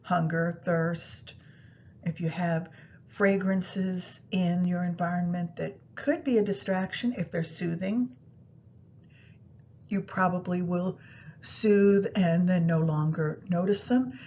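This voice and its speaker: A woman guiding a meditation practice in a soothing, unhurried manner, pausing between phrases. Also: steady tone, a little mellow. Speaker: yoga nidra meditation guide. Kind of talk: guided meditation instruction. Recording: muffled, low rumbling background noise.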